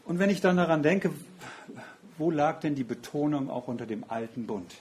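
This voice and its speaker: A man's voice: on the high side, animated, moderate pace, darkish tone, a little hiss or hum. A man preaching a sermon in an earnest, reflective way, often asking rhetorical questions.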